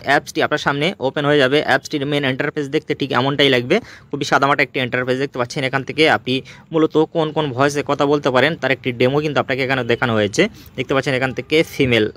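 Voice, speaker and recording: A man presents a casual app tutorial at a racing pace, in a voice pitched a little above average. He speaks straight to the viewer in an instructional way, checking in often with short tags. English words and phrases are mixed through his sentences. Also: a bit bright. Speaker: tech tutorial host. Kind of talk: casual how-to screen-recording tutorial narration.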